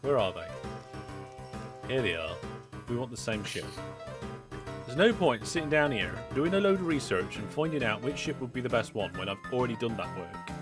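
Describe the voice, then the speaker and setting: A man's voice: mid-range voice, big pitch swings, normal speed, long pauses. A man hosting a live game stream, chatting through his play, reading out viewer messages and reacting with mock alarm. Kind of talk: live gameplay commentary. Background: background music.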